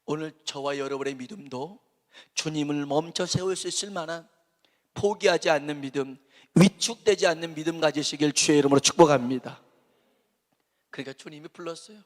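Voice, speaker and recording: A male pastor preaching a sermon in a church, swinging between loud exhortation and quiet asides. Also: fairly high pitch, steady tone, brisk. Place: church sanctuary. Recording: long church hall reverb.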